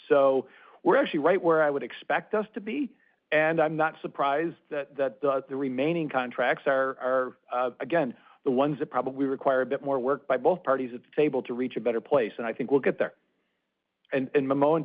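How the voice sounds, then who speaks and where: Measured male executive on an earnings call. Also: medium pitch, narrow, tinny audio. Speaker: company chief executive. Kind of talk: unscripted answers on an earnings call.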